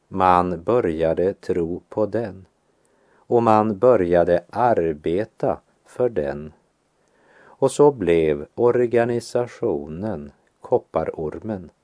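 A man reading a devotional teaching aloud in an earnest, measured preaching manner. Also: low-pitched, dark tone, no room sound. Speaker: devotional speaker.

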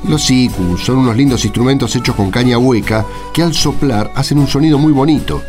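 A man's voice: medium pitch, fairly quick, a little mellow, soft background music, close to an everyday voice. A man with an Argentine accent playing a friendly, curious husband in a radio drama. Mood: cheerful. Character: friendly, curious husband planning a family road trip.

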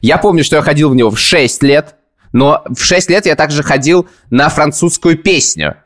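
A man's voice: fairly high pitch, moderate pace. A man hosting a podcast, chatting casually and telling long, self-ironic stories. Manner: rambling, self-ironic storytelling. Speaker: podcast host.

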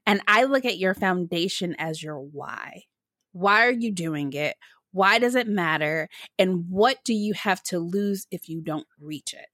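Woman, American accent, valley girl manner, bright crisp-edged tone, dry sound, conversational podcast host. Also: lowish voice, expressive, unhurried, no room sound. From Michigan, US. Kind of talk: conversational interview talk.

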